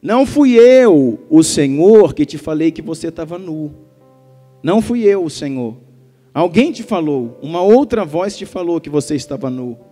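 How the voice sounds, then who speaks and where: A male preacher voicing the voice of God, calling in high, drawn-out cries. The mellow tone carries through a long church reverb. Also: expressive. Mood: questioning. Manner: booming, pleading, drawn-out calls. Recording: reverberant church hall with soft music.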